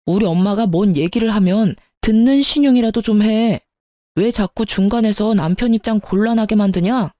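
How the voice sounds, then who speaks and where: A woman's voice: medium pitch, normal speed, mellow, no room sound, studio quality, natural voice. A woman voicing a sulky young husband who whines and reproaches his wife. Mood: reproachful. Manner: reproachful, whiny.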